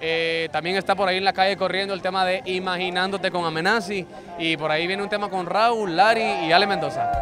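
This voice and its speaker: Clear music plays in the background as a man with a high pitch talks at a fairly quick pace with fairly even intonation, the sound dry with no echo. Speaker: guest. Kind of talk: interview answer. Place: beach. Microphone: handheld.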